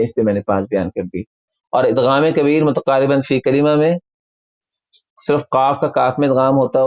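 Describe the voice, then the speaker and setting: A man teaching a lecture on Quran recitation rules, explaining step by step and repeating key terms slowly for emphasis. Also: mid-range voice, dark tone, lo-fi sound.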